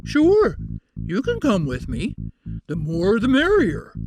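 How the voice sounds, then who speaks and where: A woman's voice: medium pitch, huge pitch swings, slow pace, darkish tone, breathy edge, no echo, faint music behind, full character voice. A woman voicing a kind, brave young boy in a children's story, cheerful and welcoming.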